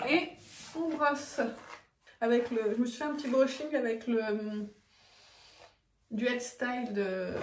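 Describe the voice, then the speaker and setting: A woman talking through her routine in a casual, chatty vlog, with frequent fillers and little laughs. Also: fairly high pitch. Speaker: beauty vlogger. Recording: echoey room, faint background noise.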